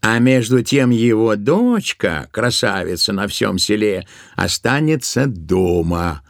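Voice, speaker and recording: A man narrating a literary tale for an audio play in an expressive, deliberate way, drawing out certain words. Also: lowish voice, vocal fry, no room sound, studio quality. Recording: music behind the voice. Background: musical accompaniment.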